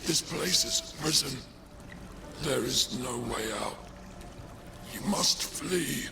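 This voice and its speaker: An actor playing a weary, despairing old soldier in a video game, speaking in a strained, halting, solemn way over watery background noise. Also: male voice, mid-range voice, expressive, music in the background. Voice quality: gravelly, strained. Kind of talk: video game cutscene acting.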